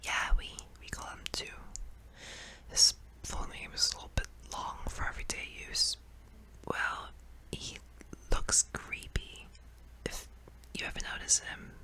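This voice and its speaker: A performer voicing a kindly, apologetic sleep paralysis demon in a soft, hesitant, breathy whisper for an ASMR roleplay. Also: measured pace, low-quality recording. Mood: fond, earnest.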